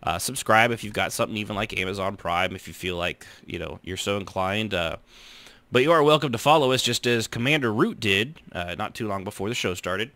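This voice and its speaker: Male American podcast host, low-pitched and lively, dry close sound, jokey casual banter. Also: brisk, no echo. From United States. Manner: joking, mock-insulting. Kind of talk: casual chat show banter.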